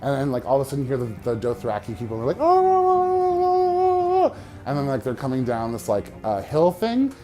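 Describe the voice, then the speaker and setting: Man, lively pitch, animated storytelling, sound effects, faint music behind. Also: fast, hardly any pauses. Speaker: comics commentator. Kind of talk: casual year-in-review chat.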